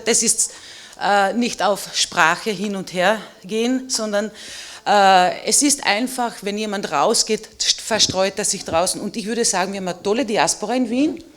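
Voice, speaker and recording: A middle-aged woman, a native Slovene speaker, giving an emphatic and personal statement as a historian on a panel. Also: medium pitch.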